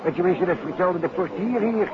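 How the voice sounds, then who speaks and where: An actor playing an excitable, gossipy male bystander in a 1950s radio drama, talking informally. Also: high voice, fairly quick, slight background noise, close to an everyday voice. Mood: excited, gossipy. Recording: dull old radio, crowd behind.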